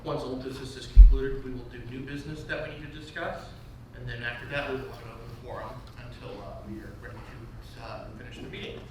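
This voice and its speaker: A man's voice: mid-range voice, fairly even intonation, quick pace. A man chairing a business meeting in a semi-formal, somewhat hesitant and improvised way. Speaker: chairman and president. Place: large echoey meeting room. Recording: very echoey room, far mic, noisy.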